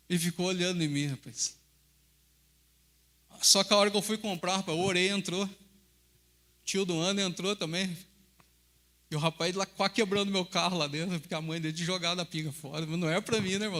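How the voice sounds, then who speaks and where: A middle-aged male pastor with a Brazilian Portuguese accent gives a sermon built on personal stories and keeps calling out to the congregation. His voice sits high and sounds bright and forceful, and his telling is animated. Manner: animated storytelling, addressing the congregation as brothers.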